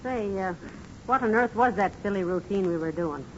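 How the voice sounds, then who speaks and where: An actress playing a homespun, teasing wife in a 1940s radio comedy, heard on an old radio recording. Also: female voice, medium pitch, moderate pace, highs cut off, noisy background, natural voice. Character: cheerful homey wife hosting a guest.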